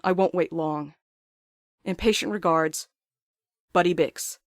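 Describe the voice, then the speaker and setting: An actor as a brooding man voicing his letter in an audio drama. His high-pitched voice delivers a solemn, literary monologue. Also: slow, no echo, clean studio sound. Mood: brooding, earnest.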